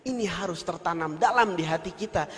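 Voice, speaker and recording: Male preacher, high-pitched, storytelling sermon with a long reverb tail. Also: fairly quick, fairly bright tone. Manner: recounts childhood anecdotes, then exhorts.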